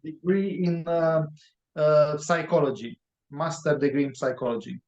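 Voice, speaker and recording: Slow, halting Romanian-accented man. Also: on the high side, steady tone, a little mellow. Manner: halting, many fillers. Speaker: guest author. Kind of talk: interview answers. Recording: roomy, dull lo-fi sound.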